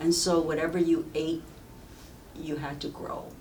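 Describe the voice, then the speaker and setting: A woman with an American accent and a very deep, low pitch at a moderate pace, with audible room echo and noticeable background noise. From southern China, then US. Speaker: oral history interviewee. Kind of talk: oral history interview. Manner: hesitant, many fillers.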